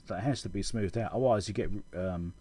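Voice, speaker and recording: A low, mellow, slightly rough male voice comes a little fast. An electronics repair video host, he offers a casual tutorial over schematics, talking through his reasoning as he goes.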